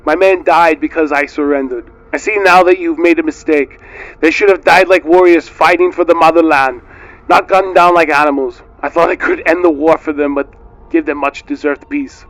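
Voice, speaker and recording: A man's voice: a little high, steady tone, normal speed, a bit bright, close to an everyday voice, rough recording. A man voicing a bitter, defiant captured soldier in a mock Austrian-German accent, with a clipped, commanding delivery, in an amateur read-aloud. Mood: bitter, accusing.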